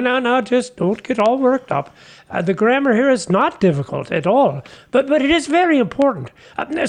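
An actor playing a humble, folksy fisherman apostle in a comic radio sketch, earnest and chatty, halting over his words. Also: high-pitched, gravelly, full character voice. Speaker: guest character.

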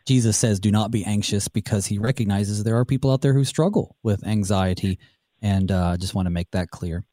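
Mellow, dry-voiced male Bible study host. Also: on the low side, no echo. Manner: measured, questioning.

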